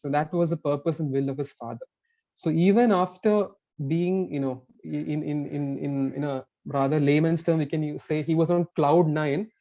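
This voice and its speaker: A man preaching a sermon at a pulpit microphone in a church, explaining earnestly with frequent pauses and restarts. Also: on the high side, dark tone.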